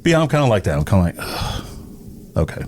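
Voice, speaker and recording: A man giving a casual interview as a radio guest, easygoing and a little halting. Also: fairly low pitch, very animated, darkish tone, slight background noise.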